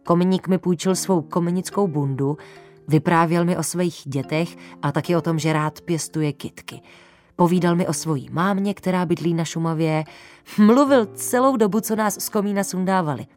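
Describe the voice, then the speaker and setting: A woman narrating a first-person children's story in a lively, confiding way, speaking straight to the listeners. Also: fairly low pitch, faint music behind.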